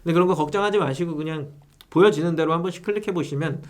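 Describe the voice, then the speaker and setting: A man's voice: fairly high pitch, very fast. A man who teaches online sellers, lecturing casually and often adding tag questions for agreement. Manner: chatty, rhetorical tag questions. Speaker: seller education instructor.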